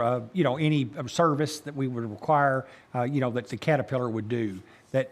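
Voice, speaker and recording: An American man, a county official, making motions and explaining them in halting, unscripted meeting talk. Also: medium pitch. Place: local government meeting room.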